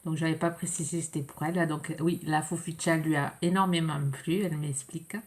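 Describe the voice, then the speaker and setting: A French woman with a cold, chatting casually and hesitantly as she opens a mail package, with many pauses and fillers. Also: deep voice, fairly even intonation. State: congested with a cold. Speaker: scrapbooking vlogger. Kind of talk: casual unboxing chat.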